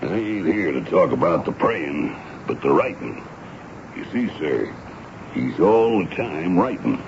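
Deep, gravelly army sergeant. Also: male voice, sing-song, unhurried, full character voice. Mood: suspicious. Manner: folksy ungrammatical speech, deferential to his superior. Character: gruff, folksy army sergeant, earnest and suspicious. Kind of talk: 1970s radio drama acting. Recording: dull, noisy old radio broadcast recording.

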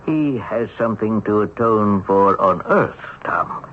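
An actor playing a kindly, folksy old ghost in a radio drama, reassuring and unhurried. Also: male voice, fairly low pitch, expressive. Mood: patient, reassuring. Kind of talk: 1970s radio drama acting. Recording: phone-like band, noisy old radio recording.

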